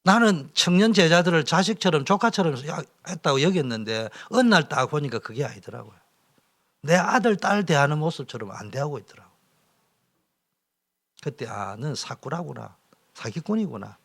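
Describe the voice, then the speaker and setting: A middle-aged male pastor, preaching a training lecture, swinging from loud exhortation to whispers. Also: a little high, animated, normal speed. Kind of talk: sermon-style training lecture.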